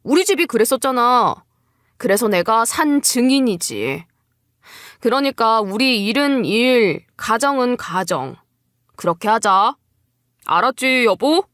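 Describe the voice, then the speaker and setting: A callous husband from a narrated family drama, acted out by a woman. He sounds dismissive and defensive, with a lively, moving pitch. The sound is dry. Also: a little slow, no echo. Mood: smug, dismissive.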